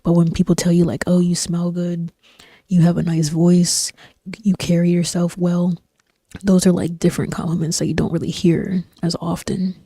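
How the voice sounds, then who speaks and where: A young woman streams and chats in a low, soft-spoken voice that hovers near a whisper. Her tone is mellow and flat. She rambles along relaxed, full of fillers and slang, close on a dry desk mic. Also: moderate pace, husky, no room sound. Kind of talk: casual chat while gaming. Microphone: desk microphone.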